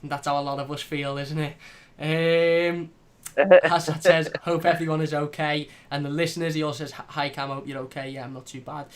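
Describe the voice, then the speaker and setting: A man hosting a fan channel, chatting casually and reading out live comments, blunt and animated. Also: on the high side, a little fast. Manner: animated, blunt, swears lightly.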